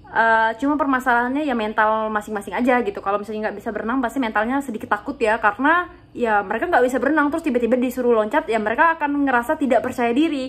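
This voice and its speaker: Hardly pausing, a woman talks at a very fast pace in a high pitch. Her tone is animated, with ordinary pitch variation. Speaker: flight attendant vlogger. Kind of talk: casual vlog talk to camera.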